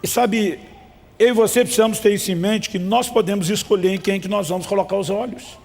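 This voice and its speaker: Male pastor, fairly high voice, emphatic sermon with call-and-response, long hall reverb. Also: fairly even intonation, fairly quick, creaky, darkish tone.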